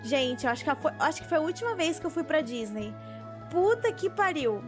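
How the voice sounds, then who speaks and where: A young woman talks through a game stream in a high, bright voice. She tells stories in an animated, chatty way, cursing casually. Faint music plays under her headset mic. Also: fairly quick. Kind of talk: casual gameplay chat with viewers. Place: small bedroom streaming setup, indoors. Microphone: headset mic on webcam stream.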